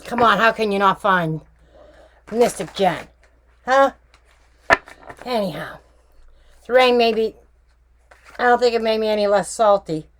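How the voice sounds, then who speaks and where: A woman's voice: mid-range voice, unhurried, pauses often, fairly bright tone, slight background noise. A woman hosting a casual true crime tarot reading vlog, chatty and emphatic with slangy asides. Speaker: tarot reader and true crime channel host.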